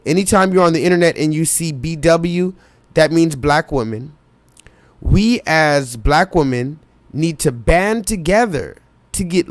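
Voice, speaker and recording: A man with a slightly high voice hosts a live reaction stream, reading viewer comments aloud and pressing his chat with urgent, repetitive remarks. Insistent and repeating himself, he addresses chat directly, and there's no echo.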